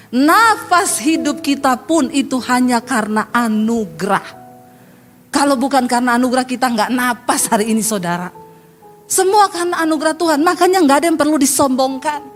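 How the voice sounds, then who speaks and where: A woman pastor preaches a sermon. She talks bluntly and scolds, mocks her listeners and breaks into sudden sharp outbursts. Soft music plays underneath. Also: sits high.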